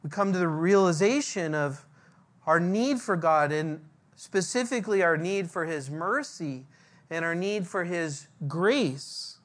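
A male pastor preaching a verse-by-verse sermon in a church, teaching deliberately and posing rhetorical questions to the congregation. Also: high-pitched, lively intonation.

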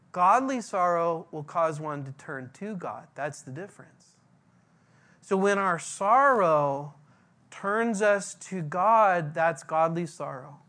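A male pastor preaching a verse-by-verse sermon in a church, teaching deliberately and posing rhetorical questions to the congregation. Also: sits high, fairly bright tone.

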